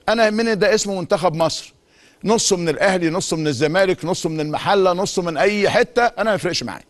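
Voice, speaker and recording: A middle-aged man with an Egyptian Arabic accent, a sports talk show host delivering an emphatic monologue full of repeated insistent phrases. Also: high-pitched. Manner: rapid, emphatic, repetitive insistence. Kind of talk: monologue commentary.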